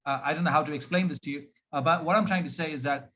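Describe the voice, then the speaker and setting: Indian male trainer, high voice, slow careful drilling, video call. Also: fairly bright tone. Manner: drills words slowly, mixes in Hindi. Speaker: pronunciation trainer. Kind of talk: online pronunciation coaching.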